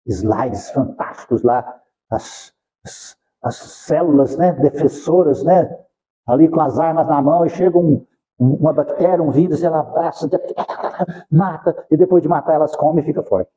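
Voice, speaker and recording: Dark husky-voiced man giving a spiritist lecture. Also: fairly high pitch, normal speed, rough recording. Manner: animated, rhetorical questions, acts out quotes. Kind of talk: spiritist lecture and closing prayer.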